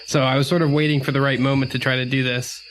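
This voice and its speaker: A man chatting casually and haltingly as a player in a tabletop game, with faint night ambience behind. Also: mid-range voice, flat delivery, a bit bright, slight background noise. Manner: halting, hesitant. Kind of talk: casual chat.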